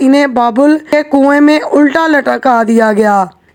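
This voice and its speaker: A high-pitched woman's voice with ordinary pitch variation, over noticeable background noise. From Pakistan. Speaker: voice over artist. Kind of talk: religious story narration.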